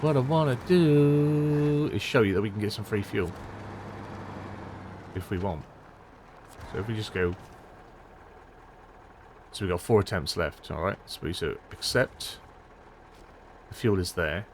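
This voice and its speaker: A man in his thirties talks through a game in an easy, chatty way, with a slightly low voice. He chuckles often between remarks, and his voice sounds a little strained and worn. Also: measured pace, long pauses, darkish tone, slight background noise. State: voice strained, close to losing it. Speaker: gameplay commentator. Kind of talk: casual let's-play commentary.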